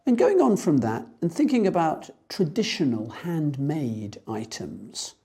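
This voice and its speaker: A woman examiner putting formal interview questions in a measured, procedural way. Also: sits low, very animated, dark tone, slightly rough. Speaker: speaking test examiner.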